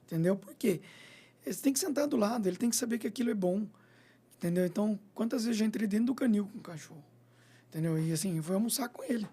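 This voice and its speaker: Um homem veterinário, convidado de uma entrevista de rádio, falando de forma descontraída e tagarela e pontuando as frases com "entendeu?". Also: male voice, high voice, expressive, quick pace, warm tone, breathy edge. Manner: chatty, repeats "entendeu?" and "né?", acts out little scenes. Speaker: veterinarian and clinic owner. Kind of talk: radio interview guest, casual chat.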